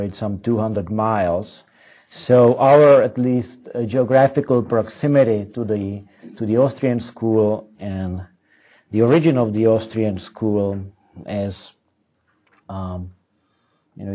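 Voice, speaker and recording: A man's voice: on the low side, mellow. A Czech man with a Czech accent speaking English as a second language, giving a conference lecture as an economics professor with dry humor and many hesitant ums and restarts. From Czech Republic.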